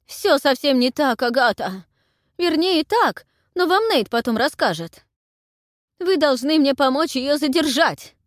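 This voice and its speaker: A high, loud and slow wail from a frantic old scholar who is hopelessly in love, as a female audiobook narrator puts him on. Every word comes out stretched and pleading, in a dry, close reading. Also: expressive, no echo. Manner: wailing, breathless pleading. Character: frantic elderly male historian, lovestruck and excitable.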